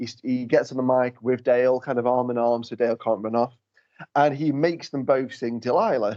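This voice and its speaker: With an English accent, a man speaks at a medium pitch. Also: fairly even intonation, fairly quick pace. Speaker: wrestling promoter and former manager. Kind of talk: casual podcast chat. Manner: loud.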